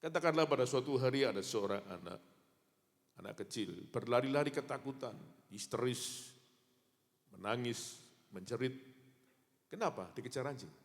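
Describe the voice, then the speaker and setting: A male pastor with a fairly low voice preaches an animated storytelling sermon. He acts out dialogue and keeps calling out to his congregation. His voice rings with the long reverb of a church hall.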